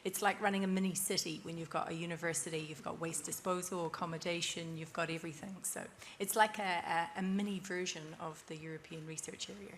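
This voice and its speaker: A woman's voice: on the low side, fairly even intonation, brisk, hardly any pauses, slight background noise. A woman with a broad New Zealand accent, introducing herself as a university leader on a conference panel. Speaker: university vice president, panel guest. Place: conference event with microphone and audience.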